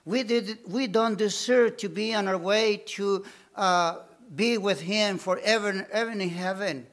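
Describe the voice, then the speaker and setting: Slow, high-voiced preacher. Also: male voice, a bit bright. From Bolivia. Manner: slow, emphatic preaching with repeated phrases. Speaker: missionary preacher. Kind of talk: sermon.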